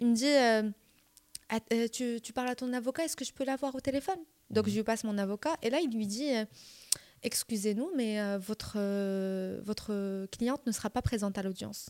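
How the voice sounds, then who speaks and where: A woman's fairly high voice at a moderate pace, with an Arabic accent, in a dry, close sound with no echo. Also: ordinary pitch variation. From Morocco. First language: Arabic (speaking French). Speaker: student recounting wrongful detention. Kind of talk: testimony.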